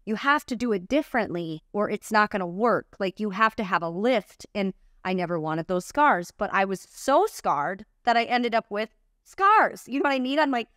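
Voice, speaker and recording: Woman host opening up in a casual chat, restarts a lot, mid pitch, dry close sound. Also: lively intonation, normal speed, a bit bright, no room sound. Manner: candid, confessional, with many restarts. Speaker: podcast host.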